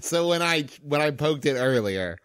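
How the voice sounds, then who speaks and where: Wisecracking tabletop player. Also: male voice, a little high, lively intonation, fairly bright tone, clear, resonant tone, no room sound. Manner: wisecracking, quick jokes. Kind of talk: tabletop game banter.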